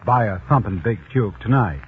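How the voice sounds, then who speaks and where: Raspy 1940s radio ad announcer. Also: male voice, animated, moderate pace. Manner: punchy, salesman-like pitch. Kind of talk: 1940s radio commercial read. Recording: tinny, narrow 1940s radio recording.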